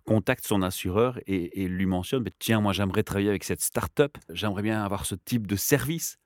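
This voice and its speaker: A low-voiced man hosting a podcast. He asks long, enthusiastic questions and chimes in with agreement. The recording is dry and close. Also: a little fast, no room sound. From Belgium. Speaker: podcast host. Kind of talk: podcast interview.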